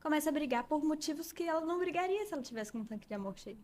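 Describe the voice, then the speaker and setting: A woman's voice: sits high, lively intonation, very fast, darkish tone, a little hiss or hum. A Brazilian woman, a guest on a casual podcast, talking in a reflective, storytelling way.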